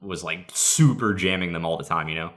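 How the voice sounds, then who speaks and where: Bright-edged, low-voiced young man. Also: a little fast. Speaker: podcast co-host. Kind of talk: casual chat.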